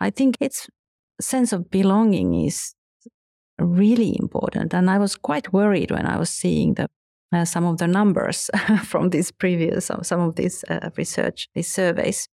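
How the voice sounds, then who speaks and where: Non-native English-speaking woman, interview guest, hesitant with many restarts, lowish pitch. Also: sing-song, gravelly, dark tone, no echo, studio quality. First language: neither English nor Finnish. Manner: halting, with frequent restarts and searching for words. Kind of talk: conversational interview.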